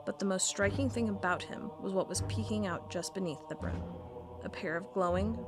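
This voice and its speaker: A woman narrates a scripted first-person account as a field agent, her telling measured and deliberate like a written report. Her voice sits at an ordinary middle pitch for a woman. Music plays clearly behind her throughout.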